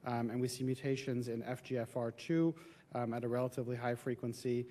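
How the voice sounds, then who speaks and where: Brief: male oncologist speaker, nasal and stuffy from a cold, halting delivery with mid-range pitch. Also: steady tone, mellow, slight background noise. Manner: halting, many filler sounds. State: getting over a cold. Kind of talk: conference presentation. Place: conference venue.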